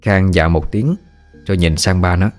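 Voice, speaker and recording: A man narrating a story in a measured, steady storytelling manner. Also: low-pitched, soft background music.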